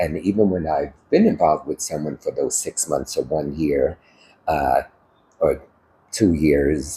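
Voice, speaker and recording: A man talks with a New York accent at a fairly slow pace. He leaves long, frequent pauses. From New York City, the Bronx. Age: 60s. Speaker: vlogger. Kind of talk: casual storytelling monologue. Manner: conversational, many fillers.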